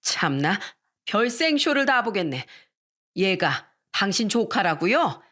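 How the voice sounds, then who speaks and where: A woman's voice: big pitch swings, slow pace, exaggerated voice. A woman voicing a furious, scornful middle-aged mother-in-law-to-be in a dramatized radio story. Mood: mocking. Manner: shrill, contemptuous yelling.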